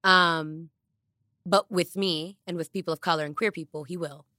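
In a casual podcast chat, a woman from the Bronx, New York talks at a moderate pace in a low, candid voice as co-host. Her animated speech rises and drops in bursts, captured on a studio podcast mic at studio quality with no room sound.

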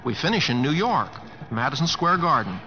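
Casting: earnest, drawling Oklahoma cowboy, rural accent, slightly high and very animated, vintage radio play. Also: male voice, a little fast, full character voice. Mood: sheepish, coaxing. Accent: American, rural Oklahoma. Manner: drawling, folksy, hesitant, homespun grammar. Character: folksy, bashful, earnest Oklahoma cowboy performer and young sweetheart. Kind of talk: old-time American radio drama acting. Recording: dull vintage radio recording, faint music.

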